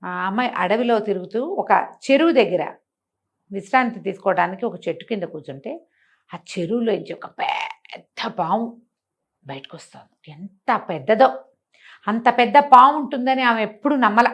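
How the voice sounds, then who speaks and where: An older woman telling a traditional story in a chatty, animated way, adding her own comments. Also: mid-range voice, moderate pace. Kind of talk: oral storytelling with asides.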